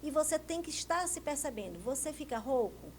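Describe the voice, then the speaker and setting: A woman's voice: high-pitched, animated, brisk, a little hiss or hum. A woman from Brazil, a speech therapist, explaining voice health in a TV interview and often answering her own questions. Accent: Brazilian Portuguese. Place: TV news studio.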